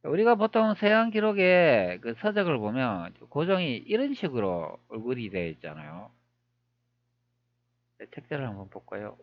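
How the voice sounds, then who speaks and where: Man musing aloud over images, lively pitch. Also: normal speed, muffled recording. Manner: musing aloud with many rhetorical questions. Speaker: history video creator. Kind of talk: screen-recorded commentary.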